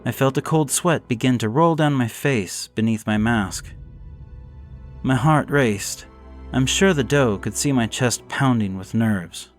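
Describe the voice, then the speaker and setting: A man reads scripted gothic horror as its narrator. His delivery is dramatic yet measured, somber and suspenseful, in a mid-pitched voice over background music.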